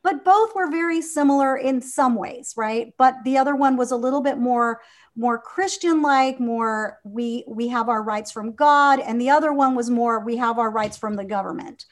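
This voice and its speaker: A Venezuelan woman in her fifties speaks earnestly as an interview guest, with lots of fillers and restarts. Her voice is on the high side and she talks at a normal speed.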